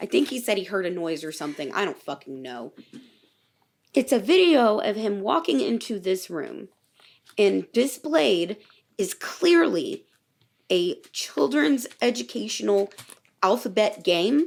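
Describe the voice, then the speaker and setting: An animated woman at a medium pitch, with very wide pitch swings, big swings in loudness, vocal fry and long, frequent pauses. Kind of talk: casual storytelling in podcast banter. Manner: animated, sarcastic.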